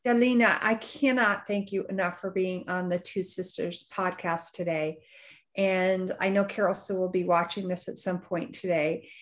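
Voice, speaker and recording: A woman's voice: on the low side, fairly even intonation, moderate pace. A woman hosting a podcast interview, upbeat and appreciative toward her guest. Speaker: podcast host.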